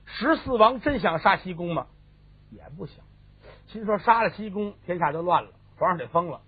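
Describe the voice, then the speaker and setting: A man's voice: high voice, lively intonation, normal speed, slightly rough, dry recording. A male storyteller narrating a traditional tale theatrically, asking and answering his own questions. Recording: tinny phone-band recording.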